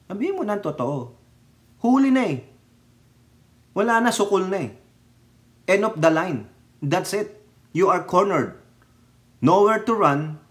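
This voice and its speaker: A man from the Philippines giving casual political commentary on his vlog, talking straight to his viewers in a lively, mocking way. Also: high-pitched.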